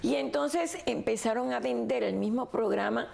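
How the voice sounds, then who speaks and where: Gravelly-voiced woman telling stories. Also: a little high, moderate pace. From United States. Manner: animated storyteller, switches between Spanish and English. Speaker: interviewee. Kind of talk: casual interview conversation.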